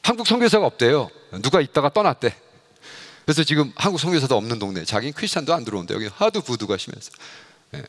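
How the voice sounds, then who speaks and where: A middle-aged man who is a pastor and missionary preaches with animated storytelling, acting out dialogue and shouting now and then. He is a fast talker with a mid-range voice.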